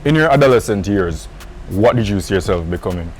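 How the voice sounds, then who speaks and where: A man's voice: lowish voice, lively intonation, fairly quick, slight background noise. A man with a Jamaican accent presenting and interviewing as host of an entertainment and lifestyle show, using patois slang.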